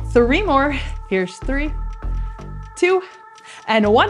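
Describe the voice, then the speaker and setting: Faint music sits in the background. The speech moves at a moderate pace. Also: woman. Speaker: fitness instructor. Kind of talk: workout instruction.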